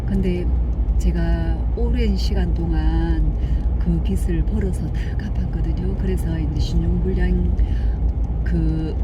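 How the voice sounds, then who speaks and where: A woman, telling her life story earnestly and haltingly, with many pauses and fillers. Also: fairly low pitch. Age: 50s. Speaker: vlogger. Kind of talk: personal storytelling. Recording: dull lo-fi recording with loud traffic noise. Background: loud traffic and street noise.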